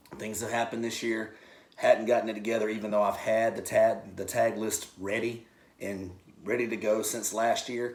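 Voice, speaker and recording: Here a man of medium pitch keeps fairly even intonation. Noticeable background noise and audible room echo surround him. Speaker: vinyl record YouTuber. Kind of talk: casual vlog. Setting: home man cave room. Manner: fast.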